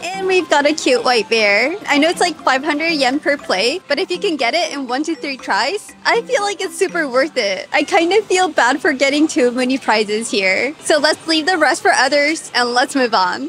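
Faint music plays in the background as a woman with a high voice talks with hardly any pauses, the sound dry with no echo. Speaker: vlogger. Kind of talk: casual vlog chat. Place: shop. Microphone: handheld.

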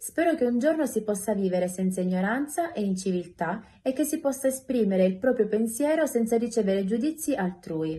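Fairly high for a woman yet dark and mellow in tone, her somewhat breathy voice moves at a fairly quick pace with very wide pitch swings and hardly any pauses. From Sicily, province of Agrigento; Sicily. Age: 20s. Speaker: beauty pageant contestant. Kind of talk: self-introduction video. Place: home room. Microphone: phone near.

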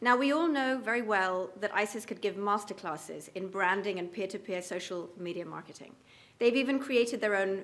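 A woman with an ordinary speaking voice talks at a moderate pace. Her pitch is medium, with ordinary pitch variation. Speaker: think tank chief executive. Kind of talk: panel presentation.

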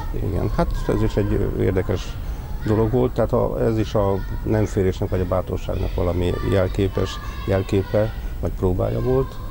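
Noticeable background noise sits behind a man's voice. He speaks at a moderate pace, and the sound is dry with no echo. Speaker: author. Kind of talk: interview about a book. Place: garden.

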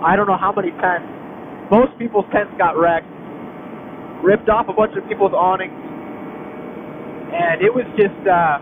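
Speaking at a fairly slow pace with long, frequent pauses, a man uses fairly even intonation and a high pitch over noticeable background noise. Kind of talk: casual vlog chat. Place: plane. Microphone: helmet.

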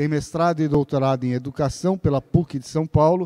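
Against a quiet background, a man with a fairly high pitch and a dark, mellow tone talks at a moderate pace with fairly even intonation. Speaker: institute director introducing guests. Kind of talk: welcome speech. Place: stage. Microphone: handheld.

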